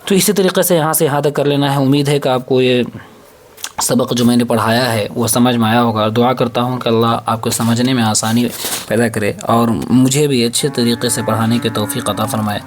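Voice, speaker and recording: A man teaching a step-by-step reading lesson, drilling slow, drawn-out syllables and patiently repeating each rule, often asking a question and answering it himself. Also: medium pitch, fairly even intonation, a little hiss or hum. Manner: asks and answers his own questions.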